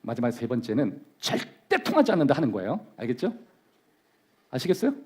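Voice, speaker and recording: A man's voice: mid-range voice, wildly swooping pitch, a little fast, warm tone, slightly rough. A male pastor preaching a sermon in a church, emphatic and leading the congregation in call-and-response. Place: church sanctuary.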